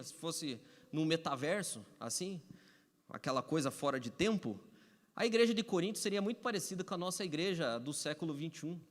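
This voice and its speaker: Brazilian pastor guy preaching, kinda high voice, long echo in the church. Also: a bit bright. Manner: conversational preaching with repetition and humor. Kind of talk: sermon. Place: church sanctuary. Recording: echoey hall reverb.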